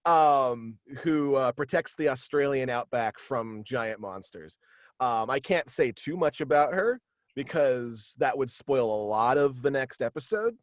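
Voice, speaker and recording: A man's voice: medium pitch, animated, unhurried, no echo. Man, interview guest, casual chat, enthusiastic, hesitant, home video call, dry close sound. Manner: hesitant, enthusiastic, chuckles often. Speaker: guest, writer of a superhero radio play.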